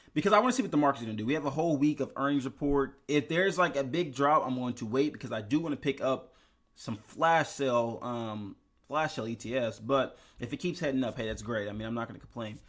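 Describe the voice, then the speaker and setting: A young man talks casually to his viewers about his investment account, sleepy and rambling, full of fillers and restarts. His voice sits at a middle pitch, neither high nor low. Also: a bit bright. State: tired from little sleep, yawning. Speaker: finance YouTuber.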